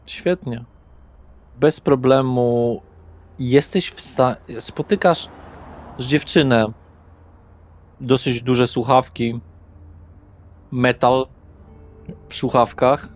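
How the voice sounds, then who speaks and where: A man's voice: medium pitch, steady tone, drawn-out words, pauses often. A man running a horror tabletop game as game master, narrating atmospherically and dropping casual asides to the players. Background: soft guitar music.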